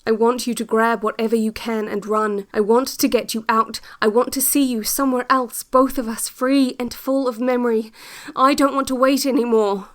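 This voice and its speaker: An actress playing a calm, yearning woman who narrates secret relaxation cassettes in a measured, intimate audio drama monologue. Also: fairly high pitch, lightly acted. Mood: earnest, impatient. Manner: measured, deliberate, repetitive phrasing.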